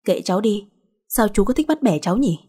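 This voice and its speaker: A woman's voice: mid-range voice, lively intonation, mellow, husky. A woman voicing a cheeky country girl of nearly eighteen who answers back with teasing retorts. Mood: sulky. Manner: sassy, quick retorts, teasing.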